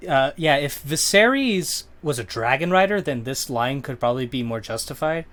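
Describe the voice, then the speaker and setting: A man co-hosting a podcast, recapping scenes in a relaxed, casual way and correcting himself as he goes. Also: mid-range voice, moderate pace. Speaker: podcast co-host. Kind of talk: casual chat.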